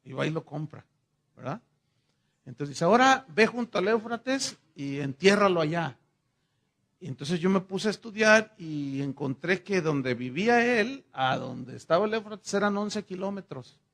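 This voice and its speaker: A middle-aged Mexican pastor delivers a sermon in a relaxed, conversational way. He voices both sides of the conversations in his stories. His voice sits high for a man and carries a gravelly rasp. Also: normal speed. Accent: Mexican Spanish. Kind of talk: sermon with personal storytelling.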